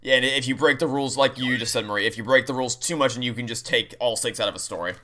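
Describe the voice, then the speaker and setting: A man's voice: medium pitch, rapid-fire, bright, forceful tone, a little hiss or hum. A man streaming a game, chatting with viewers and explaining his opinions in an analytical way while he plays. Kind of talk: live playthrough commentary and chat. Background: video game music and sounds.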